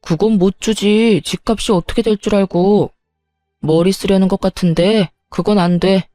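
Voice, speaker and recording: A woman's voice: medium pitch, fairly even intonation, normal speed, mellow, no room sound, faint music behind, natural voice. A woman voicing a self-righteous young husband who talks in a cold, dismissive, stubborn way.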